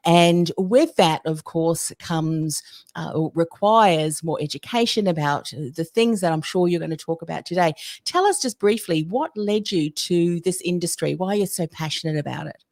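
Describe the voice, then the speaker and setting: A middle-aged woman hosting a podcast interview, measured as she introduces her guest. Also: on the low side, a little mellow, no echo, studio quality. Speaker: podcast host.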